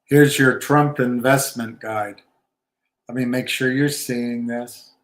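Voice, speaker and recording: Slow, rambling man in a roomy room. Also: mid-range voice, steady tone, fairly bright tone. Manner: rambling, opinionated, wry asides. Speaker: livestream host. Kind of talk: casual livestream talk on markets. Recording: roomy echo.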